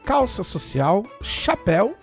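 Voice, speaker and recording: High-voiced, very animated Brazilian man. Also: takes it slowly, soft background music. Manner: slangy, mock-indignant. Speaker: podcast co-host. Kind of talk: casual bantering chat.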